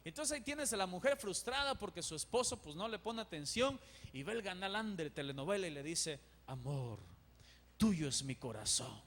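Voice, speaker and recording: Pastor preaching, high voice, lively, big church reverb. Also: male voice, brisk. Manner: animated, acts out dialogues. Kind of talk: sermon.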